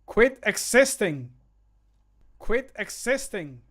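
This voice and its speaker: A man's voice: high-pitched, very animated, slow, a bit bright, pitched above the performer's own voice, heavily acted. A man voicing an irritated, disgusted fantasy game character who hurls insults in a scornful, exclaiming way. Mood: hostile. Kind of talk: video game mod voice acting.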